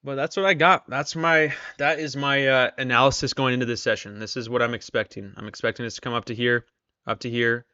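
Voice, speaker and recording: Hosting a laid-back trading live stream, this man chats with viewers and reads their comments aloud even as his voice fades into a tired strain. He speaks briskly in a mid-range voice with fairly even intonation, and the tone is bright, forceful and clean. The recording has no room sound and lacks high end.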